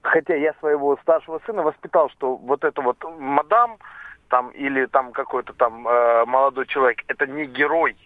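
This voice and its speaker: A man's voice: mid-range voice, moderate pace, no room sound. A man in his thirties calling in by phone, rambling and hesitant with many fillers. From southern Russia. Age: 30s. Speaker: caller. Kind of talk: phone-in call. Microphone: telephone. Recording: tinny dry phone line.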